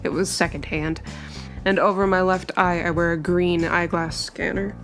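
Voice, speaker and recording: A woman's voice: fairly low pitch, fairly even intonation, moderate pace, a bit bright, faint music behind. A woman narrating her character's actions as a player in a tabletop roleplaying game.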